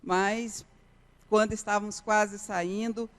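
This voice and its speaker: Slow-speaking woman preaching. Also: mid-range voice, fairly even intonation. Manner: earnest storytelling, repeats key phrases. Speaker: missionary preacher. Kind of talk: testimony sermon. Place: church sanctuary. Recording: reverberant church hall.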